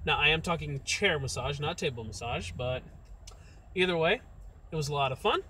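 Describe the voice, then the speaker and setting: A man's voice: fairly high pitch, lively intonation, normal speed. A young man chatting casually to his live-stream viewers from inside a car, rambling in a friendly way. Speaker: massage therapist vlogger. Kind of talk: casual live-stream chat while driving. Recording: loud road and car noise.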